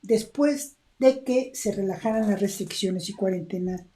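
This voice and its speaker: A woman, co-hosting and reading news aloud in a soft, measured way. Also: mid-range voice.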